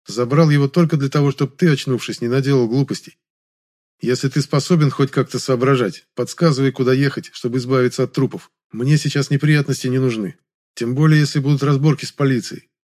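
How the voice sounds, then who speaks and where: A man's voice: mid-range voice, fairly even intonation, brisk, a little mellow, lightly acted. A man reading an audiobook, voicing a cool, indifferent teenage boy who talks tersely and matter-of-factly.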